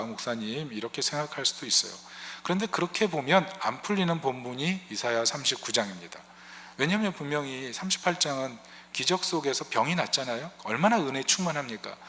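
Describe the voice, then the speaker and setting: A male pastor delivers a sermon in a church sanctuary, and his bright, forceful voice carries with a long reverb around it. He talks to the congregation conversationally, throws out rhetorical questions, and briefly voices the prayers he quotes. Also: mid-range voice, animated, brisk, a little hiss or hum.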